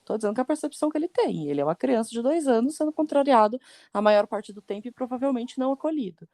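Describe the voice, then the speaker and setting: A woman's voice: fairly high pitch, animated, quick pace, warm tone, no room sound. A woman, co-hosting a podcast, explaining points earnestly in lists. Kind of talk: explanatory conversation.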